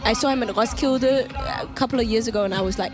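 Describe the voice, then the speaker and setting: A woman's voice: fairly high pitch, quick pace. A young woman from Denmark, a singer-songwriter, chatting giggly and loose with lots of fillers in an interview. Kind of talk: casual interview chat. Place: music festival, outdoors. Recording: live festival radio, loud music behind. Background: stage music playing.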